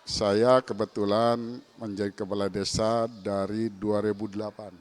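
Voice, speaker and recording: A middle-aged man, a village head answering as a talk show guest in a halting way, repeating his words. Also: fairly low pitch, flat delivery. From Kuningan, West Java.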